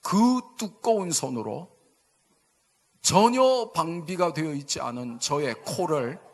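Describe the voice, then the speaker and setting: Pastor in his 50s, Busan accent, lively and jokey, slightly higher voice, church sermon. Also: slow pace. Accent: Busan Gyeongsang dialect. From Busan, South Korea. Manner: animated, jokey, asks the congregation for replies. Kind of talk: humorous storytelling sermon. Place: church sanctuary.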